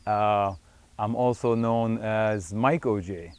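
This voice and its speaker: A middle-aged man from Syria, a wildlife photographer, talking in a reflective, unhurried way in a profile interview, with frequent fillers and restarts. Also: on the low side.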